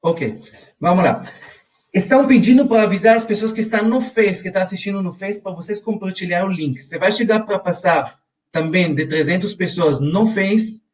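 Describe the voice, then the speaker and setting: A man in his forties with an Israeli accent teaches a live online money class, speaking slightly higher than most men. He keeps turning to his viewers with quick "ok?" check-ins. His voice sits a little back from the microphone. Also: recorded from a distance, rough recording. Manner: talks straight to his audience, often checking in with "ok?". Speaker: financial educator. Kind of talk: live webinar lesson.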